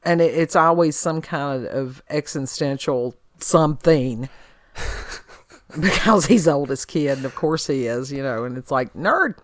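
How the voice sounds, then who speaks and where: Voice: mid-range voice, measured pace, dry recording, clean studio sound. A podcast co-host chatting casually, rambling and changing direction mid-sentence. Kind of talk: casual conversational chat.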